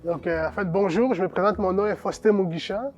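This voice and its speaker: A man's voice: sits high, fairly quick, darkish tone, faint music behind. A young man from Rwanda giving a thoughtful, hesitant documentary testimony at his secondary school. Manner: hesitant, thoughtful, many fillers. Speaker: interviewee.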